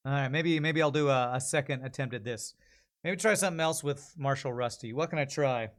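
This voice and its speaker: A man's voice: mid-range voice, a little fast, a bit bright. A man in casual livestream chat, thinking aloud and critiquing his own work as an amateur voice actor.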